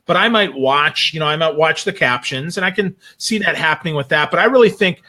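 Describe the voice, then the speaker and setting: A man's voice: on the high side, a little fast, sharp tone. A man giving emphatic, opinionated commentary in a casual talk show discussion, speaking conversationally as a guest. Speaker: guest commentator on social media marketing.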